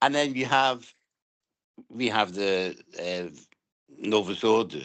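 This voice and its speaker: With a Scottish accent, a man speaks with lively intonation. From Scotland, Glasgow. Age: 60s. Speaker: interview guest. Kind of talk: interview.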